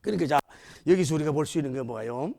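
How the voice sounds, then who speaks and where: High-pitched gravelly preaching man. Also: expressive, fast talker. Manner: preaching with acted-out scenes and shouted lines. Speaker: pastor. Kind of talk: sermon.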